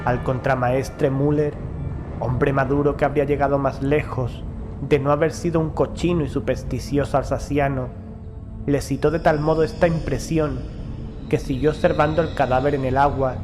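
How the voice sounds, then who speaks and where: A man reading a first-person horror story as an audiobook narrator, in a measured, formal storytelling delivery. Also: mid-range voice, fairly even intonation. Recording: music behind the voice. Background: background music.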